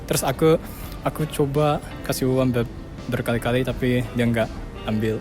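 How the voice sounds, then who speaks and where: Japanese guy talking indonesian as a foreigner, japanese accent, hunting for words, loud music behind. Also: medium pitch, moderate pace. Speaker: interviewee, content creator. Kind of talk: casual anecdotes in Indonesian as a foreign speaker.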